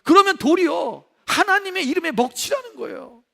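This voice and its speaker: High, lively male pastor preaching. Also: a little fast, vocal fry. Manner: animated, acts out quoted voices. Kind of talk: sermon. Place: church sanctuary. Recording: long reverb of a church hall.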